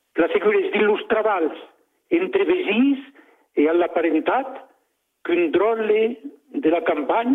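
A man with a high pitch speaks at a very slow pace. His pitch swings very widely, and his pauses are long and frequent. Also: very even loudness. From Rouergue, southern France. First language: Occitan (speaking French). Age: 70s. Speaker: author. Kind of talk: interview. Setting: phone call.

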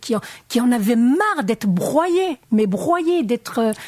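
A woman speaks at a very slow pace in a high voice, her pitch swinging very widely. The sound is dry and close, with no echo. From Algeria. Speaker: journalist and author. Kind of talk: radio interview. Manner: halting.

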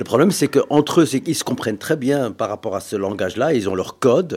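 Very wide pitch swings in a man's voice of medium pitch. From Brussels, Moroccan-Belgian family. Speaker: interviewee. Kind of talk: interview. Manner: halting, repeats words.

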